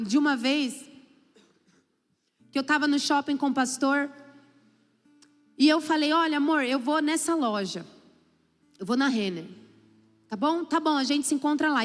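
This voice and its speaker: Uma pastora brasileira pregando um sermão, contando histórias e dramatizando diálogos, com exclamações fervorosas. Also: female voice, high voice. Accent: Brazilian Portuguese. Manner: storytelling, acts out dialogue, rising to fervent exclamations. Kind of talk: sermon. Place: church hall. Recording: church PA with long reverb and faint music.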